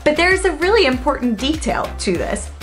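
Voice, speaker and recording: Excitable young woman, blended accent. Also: high voice, moderate pace. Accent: blended British and North American. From Czech Republic. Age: 20s. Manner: chatty and excitable, laughs often. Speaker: travel vlogger. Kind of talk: casual vlog narration. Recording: music playing behind voice-over.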